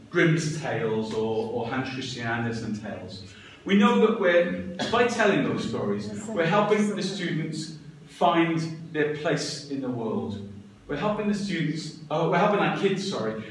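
A man in his fifties giving a live talk as a storyteller and teacher trainer, with an animated, theatrical, emphatic delivery. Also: on the high side. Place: medium-sized classroom, indoors. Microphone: distant camera microphone. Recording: echoey room, far microphone, background noise.

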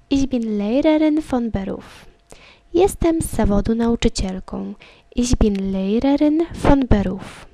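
Woman, slow and careful, mellow tone, dry close sound, reads lines then repeats them. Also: a little high, dry recording. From Poland. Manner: reads each line in German, then in Polish, then repeats the German slowly. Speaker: German teacher. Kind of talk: reading a language lesson dialogue.

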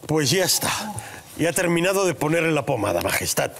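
A fussy royal valet scolds his master in a gravelly voice. He sounds prim and reproachful. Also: fairly high pitch, very animated, a little fast. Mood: scolding.

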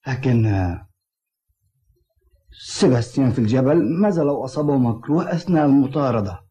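A man's voice: medium pitch, animated, fairly quick, dark tone, close to an everyday voice. A man playing an earnest, concerned young village doctor in a cartoon dub. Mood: worried pleading.

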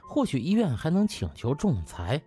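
A man's voice: on the high side, wildly swooping pitch, normal speed, mellow, soft background music. A man narrating a novel as a dramatised audiobook.

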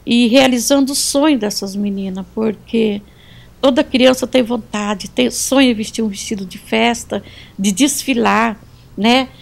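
This woman speaks with a somewhat high, gravelly voice that carries a lot of vocal fry. She owns an atelier and is giving a heartfelt, earnest thank-you speech as a guest indoors, with religious phrases woven through it. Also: a little slow.

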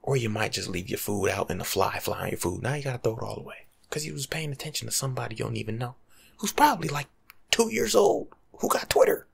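Young adult American male, husky half-whispered ASMR monologue, lively swings in pitch, casual street-slang delivery. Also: quick pace. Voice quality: breathy, often dropping to a whisper. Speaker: ASMR video creator. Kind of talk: ASMR role-play monologue, casual life-coach advice. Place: small room at home, indoors.

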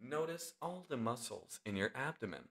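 A man narrates a guided meditation in the role of instructor. He delivers short, measured phrases and leaves long gaps between them. His intonation moves freely up and down across a wide range. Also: medium pitch, big pitch swings, gravelly, a bit bright.

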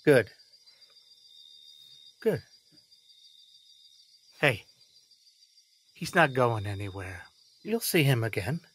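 A man's voice: mid-range voice, sing-song, drawn-out words, pauses often, a bit bright, slight background noise, exaggerated voice. An actor playing a protective, exasperated middle-aged father in an audio drama, stammering and repeating himself. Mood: earnest, stern. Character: flustered, protective, exasperated father of a teenage girl. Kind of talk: naturalistic audio drama acting.

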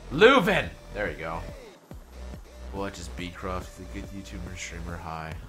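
A man's voice: low-pitched, little pitch movement, measured pace, loud music behind the voice. A man rambling casually and swearing as he livestreams a game. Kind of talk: casual livestream chat over gameplay.

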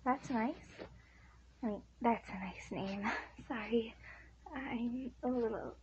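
A woman's voice: on the high side, takes it slowly, highs cut off, noisy background, pitched above the performer's own voice. A woman voicing a shy, insecure teenage schoolgirl in an improvised ASMR roleplay, hesitant and apologetic. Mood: shy, nervous.

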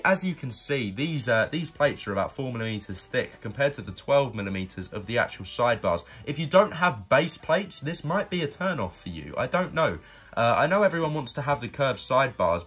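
A man's voice: mid-range voice, a bit bright, husky. A young man hosting a casual, chatty video review, talking informally and directly to his viewers. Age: young adult. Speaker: YouTube host and product reviewer.

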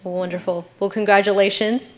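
A woman's voice: medium pitch, steady tone, brisk, darkish tone. A woman in her thirties interviewing an honoree onstage, friendly and encouraging, on a handheld mic. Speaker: event interviewer.

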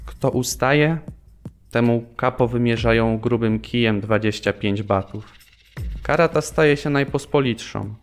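An actor in an audio drama playing a grave camp prisoner giving testimony. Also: male voice, medium pitch, natural voice. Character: grave male Polish concentration camp prisoner recounting camp life. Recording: studio voice over background music.

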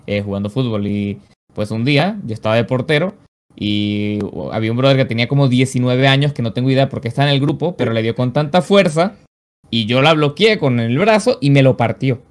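A man's voice: mid-range voice, brisk. Venezuelan male, 25, easygoing interview guest on a headset, chatty fillers. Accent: Venezuelan Spanish. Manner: relaxed storytelling, frequent "básicamente" and "o sea". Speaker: guest, esports caster and pro player. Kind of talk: casual interview over video call. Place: small home streaming room. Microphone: headset on video call.

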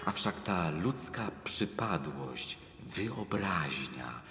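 Deep-voiced philosophical monk. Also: male voice, animated, exaggerated voice. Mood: indignant, fervent. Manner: rhetorical, measured, eloquent. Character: wise, philosophical male monk, fervent and consoling mentor. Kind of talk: radio drama acting. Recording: echoey hall reverb with music behind.

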